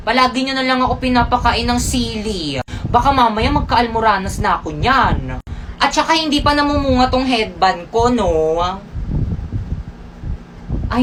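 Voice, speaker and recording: A woman's voice: a little high, background noise. A woman content creator doing comedic challenge vlog clips, talking playfully to her viewers.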